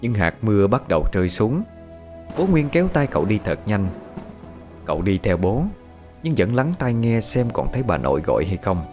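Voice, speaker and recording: A man reading a horror story aloud as a narrator, steady with lively intonation. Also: lowish voice, normal speed. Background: faint background music.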